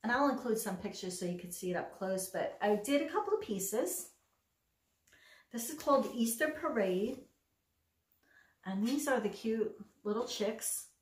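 A woman's voice: on the high side, animated, normal speed, long pauses, echoey room. A middle-aged woman chatting casually and enthusiastically as she shows her cross stitch projects, with a self-deprecating humor. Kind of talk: casual show-and-tell chat. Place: home craft room.

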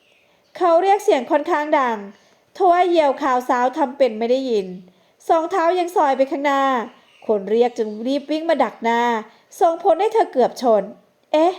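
A woman narrating an audio novel in a measured, expressive reading style. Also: high-pitched. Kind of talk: scripted narration.

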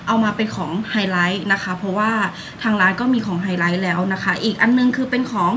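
A woman's voice: mid-range voice, fast. Chatty young woman vlogging on a noisy street. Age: young adult. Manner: chatty, polite, gushing fan talk. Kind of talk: casual vlog chat. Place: outdoors on a city street and in a café. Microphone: phone camera held at arm's length.

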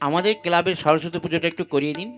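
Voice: mid-range voice, steady tone, rapid-fire, natural voice. A performer voicing a polite, businesslike club member puppet in a Bengali folk comedy. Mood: polite, brisk. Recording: loud music behind the voice. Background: music.

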